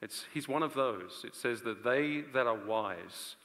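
A man in his thirties preaching a live sermon with earnest, rhetorical delivery and dramatic pauses. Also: medium pitch, lively intonation, a bit bright. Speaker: preacher and conference speaker. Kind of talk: live sermon to a large audience. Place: stage of a large indoor auditorium. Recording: long reverb of a large auditorium.

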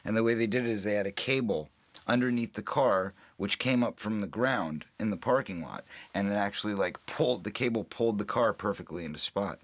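A man, an actor looking back on making a film in a relaxed interview, chatty and quick to laugh, acting out what others said. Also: lowish voice, no echo. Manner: chatty, laughs often, acts out quoted people.

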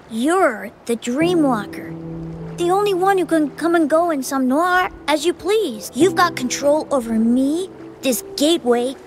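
A coy, high white cat spirit. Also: female voice. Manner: coy, secretive, lightly teasing. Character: mysterious white cat spirit, teasing guide.

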